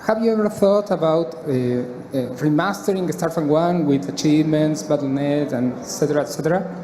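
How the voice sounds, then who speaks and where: A non-native accent at a fairly quick pace, with noticeable background noise. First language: not English. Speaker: audience member asking a question. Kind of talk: audience question. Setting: convention stage with audience.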